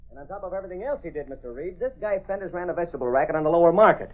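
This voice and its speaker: A man's voice: fairly high pitch, lively intonation, very fast, lightly acted. A man playing a brash wisecracking reporter. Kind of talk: 1930s radio drama acting. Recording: tinny old radio broadcast.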